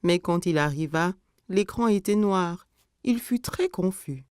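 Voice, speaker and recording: A woman narrating a children's cartoon as a scripted story, telling it clearly in simple sentences. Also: fairly low pitch, lively intonation, unhurried, a little mellow, no room sound, studio quality.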